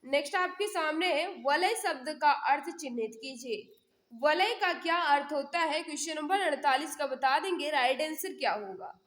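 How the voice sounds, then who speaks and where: A woman's voice: high-pitched, expressive, normal speed, a bit bright, reverberant. A woman teaching a live exam prep class, reading questions and answers aloud in an instructional way, repeating them and prompting listeners.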